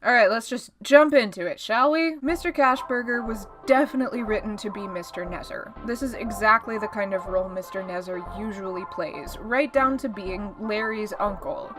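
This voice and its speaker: A woman's voice: mid-range voice, normal speed, hardly any pauses, over music. A woman delivering a scripted video essay with wry, conversational commentary and sarcastic asides.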